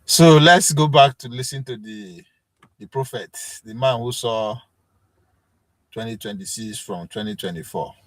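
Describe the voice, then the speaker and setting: A man's voice: mid-range voice, no room sound, rough recording. Rambling Nigerian man hosting a stream. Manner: rambling, self-assured, halting with fillers. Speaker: live stream host. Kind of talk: casual chat with chat commenters.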